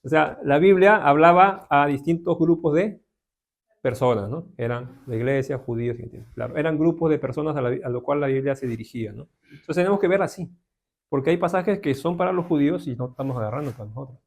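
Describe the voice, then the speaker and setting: A man from Peru with a creaky, higher-than-average voice talks briskly while teaching an informal Bible class. His Peruvian Spanish accent comes through as he addresses listeners conversationally, asking tag question after tag question.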